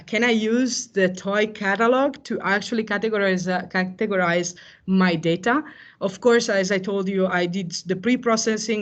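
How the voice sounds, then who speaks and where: Hesitant tech presenter. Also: medium pitch. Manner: hesitant, frequent fillers and self-corrections. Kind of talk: technical talk on cloud AI services.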